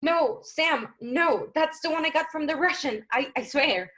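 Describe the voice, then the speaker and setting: A woman's voice: high-pitched, measured pace, a bit bright. A woman playing an anxious, pleading young femme fatale in a film noir radio play.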